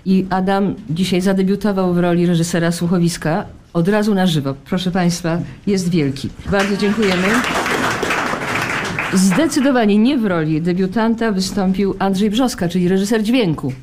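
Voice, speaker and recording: A woman's voice: medium pitch, moderate pace. A woman presenter announcing credits live on stage in a ceremonious, emphatic manner. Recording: live festival stage, loud audience noise. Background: loud crowd.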